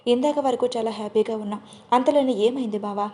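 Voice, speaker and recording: A woman's voice: on the high side, a little fast, dark tone, close to an everyday voice. A woman reading the lines of a hurt but determined young bride who pleads earnestly with her groom. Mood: pleading, hurt.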